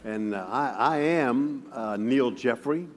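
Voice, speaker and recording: Stuttering preacher in a big hall. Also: male voice, medium pitch, takes it slowly. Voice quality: stutters, with frequent repeated words. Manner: self-deprecating humor, chuckling as he talks. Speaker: guest preacher. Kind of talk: sermon with personal storytelling. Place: church sanctuary. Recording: long reverb of a large hall.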